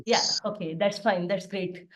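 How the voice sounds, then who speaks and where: A woman's voice: medium pitch, steady tone. Woman lecturing over a video call. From Pakistan. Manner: careful, plain explaining with frequent "uh" pauses. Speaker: assistant professor giving a webinar lecture. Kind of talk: online lecture. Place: home study with bookshelves behind.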